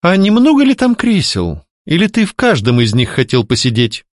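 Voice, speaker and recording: A proud young mistress of a haunted house, played by a man reading aloud. She mocks and scolds with a sharp, lilting voice that climbs high. The sound is dry and close to the mic. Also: huge pitch swings, moderate pace, no echo. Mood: mocking. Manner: mocking, scolding, ironic. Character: sharp-tongued young woman, lady of the house. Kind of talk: audiobook character voicing.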